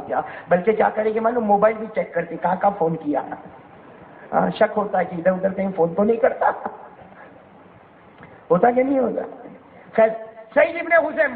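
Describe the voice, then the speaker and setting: A man's voice: high voice, a little hiss or hum. A male preacher telling a story in a sermon, asking the crowd rhetorical questions. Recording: tinny echoey hall recording.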